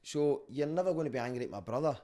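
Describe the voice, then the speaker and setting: A man's voice: medium pitch, animated, fast, warm tone. A man with a Glaswegian street Scottish accent, chatting casually and telling stories in a candid, sweary, conversational way. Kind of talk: casual podcast chat and storytelling.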